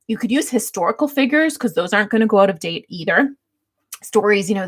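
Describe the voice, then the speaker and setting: A middle-aged woman with a slightly husky voice, hosting a casual livestream and teaching in a chatty, light-hearted way. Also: mid-range voice. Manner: chatty, laughs readily as she talks. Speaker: livestream host giving book-writing tips. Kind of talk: casual livestream teaching talk with chat replies.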